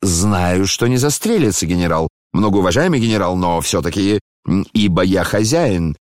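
A man's voice: low voice, lively intonation, moderate pace, no echo, clean studio sound. A man voicing a tipsy, insolent middle-aged landlord in an audiobook, fawning yet rude and tacking a servile "-s" onto his words.

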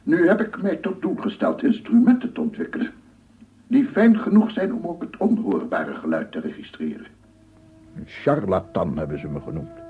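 A male actor playing an embittered, obsessive amateur inventor in a radio drama monologue, husky and halting, swinging between muttering to himself and grandiose declamation. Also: medium pitch. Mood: formal lecturing. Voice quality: husky, gravelly, often dropping to breathy murmur. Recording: muffled phone-like old radio recording.

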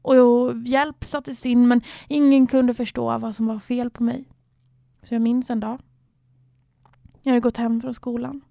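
A woman's voice: on the high side, flat delivery, vocal fry, dark tone, dry recording. A young woman from Sweden, candidly telling her own story in a reflective way, sometimes dropping to near a whisper. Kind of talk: personal storytelling.

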